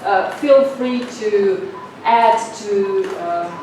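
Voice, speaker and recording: A woman lectures a summer seminar at a slow, patient pace, sprinkling her English with filler sounds. She speaks in a very reverberant room, picked up from a distance. A steady hiss of noise sits under her voice. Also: medium pitch. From northern Slovenia. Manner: unhurried, many filler sounds, inviting. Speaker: guest lecturer. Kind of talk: seminar lecture with questions to the audience. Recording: very echoey room, mic far off, noisy.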